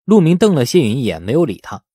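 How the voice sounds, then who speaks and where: A man's voice: medium pitch, big pitch swings, quick pace, warm tone, breathy edge, no echo, clean studio sound. A man narrating a novel as a scripted audiobook in a storytelling style.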